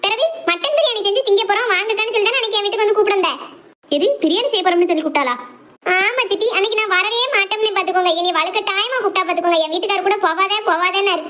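Shrill chattering women. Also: female voice, fairly bright tone, highs cut off. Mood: grumbling. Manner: fast, high-pitched chatter. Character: young village women, bride and elders.

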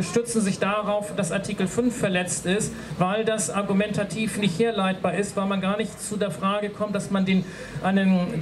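Standing on an outdoor stage at a street rally, a man whose voice sits high walks the audience through legal points in a formal, lawyerly way, dotted with hesitant fillers. He uses a handheld microphone running through the PA system, with people gathered all around.

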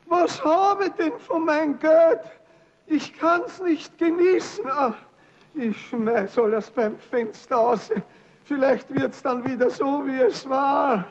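An actor playing an aged, gout-ridden rich peasant who grumbles and whines. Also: male voice, very high voice, highs cut off, exaggerated voice.

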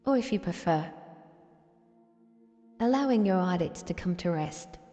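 Soothing lady doing sleep hypnosis, dark relaxed voice, big reverb, music behind her, gentle pauses. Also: lowish voice. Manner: soothing, slow, deliberate phrasing with gentle pauses. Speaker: meditation and hypnosis guide. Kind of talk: guided sleep meditation, scripted narration. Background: soft music.

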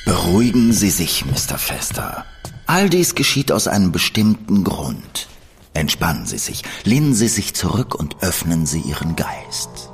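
Sinister spirit medium, deep, smooth, menacing, music behind. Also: male voice, very animated, measured pace. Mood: soothing. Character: sinister male spirit medium, calm and creepy. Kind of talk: radio play acting.

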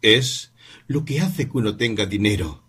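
A man voicing a bitter, weary mother in an audiobook reading, answering slowly and with resentment. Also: lowish voice, animated, fairly bright tone, slightly rough, heavily acted. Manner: slow, bitter, measured replies.

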